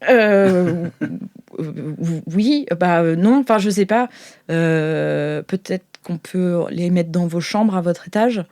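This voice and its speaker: A woman's voice: fairly low pitch, slow, darkish tone. A woman acting as game master, narrating an improvised tabletop game in an informal, theatrical way.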